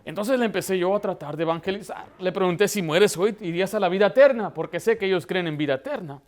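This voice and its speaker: A Baptist pastor preaches a sermon in a high-pitched, fast voice. He tells anecdotes and raises his voice to emphasize points.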